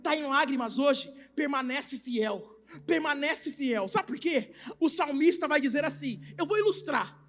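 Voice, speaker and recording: Um homem pregando um sermão inflamado com sotaque brasileiro, que alterna gritos com falas baixas e suplicantes. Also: male voice, extremely high pitch, expressive, measured pace. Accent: Brazilian Portuguese. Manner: swings between shouting and hushed, intimate pleading. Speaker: preacher. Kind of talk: impassioned sermon. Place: large retreat hall with a congregation.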